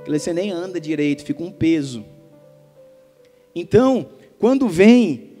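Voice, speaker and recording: A man with a Brazilian Portuguese accent preaching a sermon as pastor, emphatic and swinging between soft and loud. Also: on the high side, lively intonation, unhurried. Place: church. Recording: reverberant church hall with soft music.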